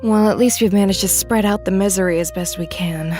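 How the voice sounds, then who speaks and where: An actress playing Snow White, a weary, guarded and sardonic deputy mayor with a dry, wry manner, in an audio drama. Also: female voice, medium pitch, brisk, mellow, soft background music, close to an everyday voice. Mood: defiant, sardonic.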